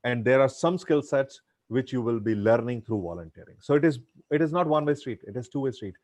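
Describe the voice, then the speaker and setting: A man's voice: mid-range voice, expressive, fairly quick, darkish tone, no echo. A middle-aged man with an Indian accent, whose first language is Punjabi, answers questions over a video call. He speaks earnestly, restarts and repeats phrases, and his mid-range voice sounds dry and close. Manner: earnest, advisory, repeats himself. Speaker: guest speaker.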